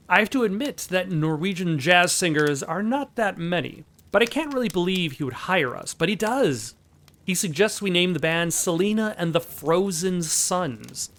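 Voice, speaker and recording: A man playing a video game who reads its text aloud in a plain, measured way, with casual asides. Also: a little high, fairly bright tone, a little hiss or hum. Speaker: let's play host.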